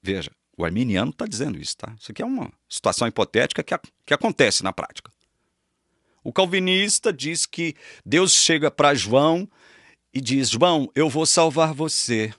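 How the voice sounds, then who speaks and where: A man's voice: mid-range voice, sing-song, a little fast, a bit bright, dry recording, clean studio sound. A man teaching Reformed doctrine, emphatic and repeating phrases for stress. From Brazil. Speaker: Reformed preacher.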